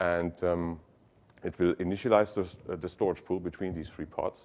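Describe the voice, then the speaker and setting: Speaking with a German accent, a man uses a very deep, low pitch and a dark, mellow tone at a moderate pace. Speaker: software engineer presenting at a tech conference. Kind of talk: conference talk with live demo. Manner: hesitant, frequent fillers.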